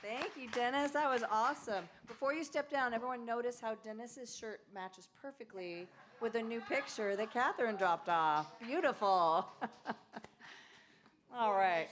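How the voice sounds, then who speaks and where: A woman's voice: a little high, measured pace. A woman hosting a spiritual center service. Her voice is slightly scratchy after an illness, and she is chatty and upbeat. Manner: chatty and upbeat, with small laughs. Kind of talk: leading a church service, welcoming and announcing.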